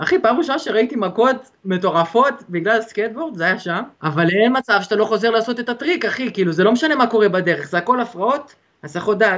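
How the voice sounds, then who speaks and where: Lively intonation carries speech delivered at a fairly quick pace. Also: man, high pitch for a man. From Israel, Ramat HaSharon. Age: 30s. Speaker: skateboarder, survival guide and author. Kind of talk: casual interview chat.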